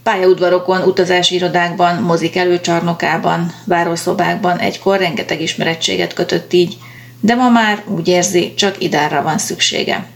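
Female audiobook narrator, calm, lowish voice with vocal fry. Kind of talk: audiobook reading.

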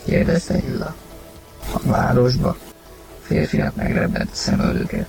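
A man reading a story aloud, narrating and acting the husband's lines with sudden loud outbursts. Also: medium pitch, fairly even intonation, gravelly, faint music behind. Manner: acted, rising to shouts in heated lines. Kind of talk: dramatized audiobook reading.

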